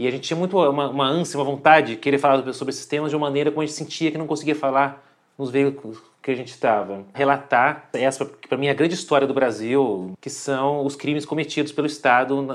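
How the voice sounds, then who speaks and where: Against a quiet background, a man speaks very fast at a fairly high pitch. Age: 40s. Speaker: journalist. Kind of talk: interview.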